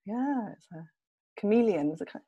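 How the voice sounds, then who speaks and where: A young woman from England talking as a podcast guest in a relaxed interview, hesitating with ums and restarts and laughing often. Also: mid-range voice, moderate pace, husky, dull audio.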